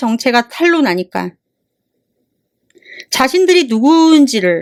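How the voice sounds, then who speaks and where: This is a woman speaking. Her pitch is high. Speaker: political YouTuber. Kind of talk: political commentary monologue. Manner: halting, self-correcting.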